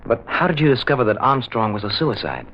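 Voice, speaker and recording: An actor playing an earnest, respectful priest who asks attentive questions in an old radio drama. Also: male voice, mid-range voice, sing-song, fast talker, lo-fi sound. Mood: curious, probing. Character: earnest, inquisitive male priest, respectful junior companion. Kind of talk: 1940s radio drama acting. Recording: band-limited old radio recording.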